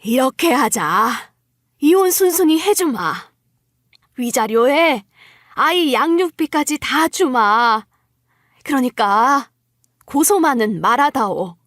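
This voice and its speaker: A woman's voice: high voice, fairly bright tone, no room sound, clean studio sound. A woman voicing a scheming older mother-in-law in a story, wheedling and condescending.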